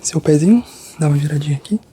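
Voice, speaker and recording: A Brazilian man in a soft-spoken ASMR roleplay as a chiropractor, reassuring and hushed, guiding the listener step by step and sometimes slipping into a whisper. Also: fairly high pitch, quick pace. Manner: reassuring, talks the listener through each step. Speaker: ASMR creator playing a chiropractor. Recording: close binaural recording with background noise.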